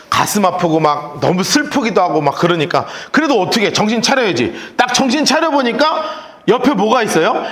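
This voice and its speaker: A male pastor teaching the Bible in a lively storytelling sermon, telling listeners what to write down. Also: sits high. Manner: lively storytelling, gives note-taking instructions.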